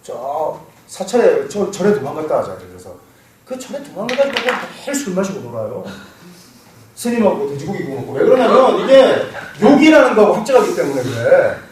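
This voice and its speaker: A man giving a classroom lecture on fortune-telling, lively and quizzing his students, laughing now and then. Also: sits high, a little fast, crowd noise. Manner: animated, asks students questions, laughs. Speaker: saju lecturer. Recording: roomy echo, mic far off, faint noise.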